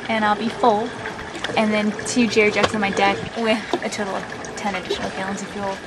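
A young adult woman casually narrating her own video diary on a sailboat, recorded on a handheld camera amid loud boat noise. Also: medium pitch, level tone, fairly quick. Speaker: solo sailor narrating life aboard. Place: aboard a small sailboat.

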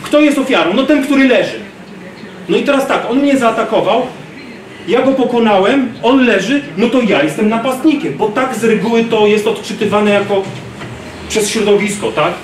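A man in his thirties giving an animated self-defense lecture to a class, acting out street scenes, filmed by a distant camera in a large gym. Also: high voice, moderate pace, a little hiss or hum. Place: large gym hall, indoors. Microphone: far camera. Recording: roomy gym echo from far off.

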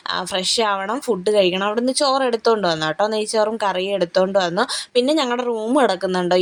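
A young woman narrating her family day in a casual vlog, rambling and chatty with frequent fillers and tag-questions. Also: mid-range voice. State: tired and sluggish after a heavy meal. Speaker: family vlogger.

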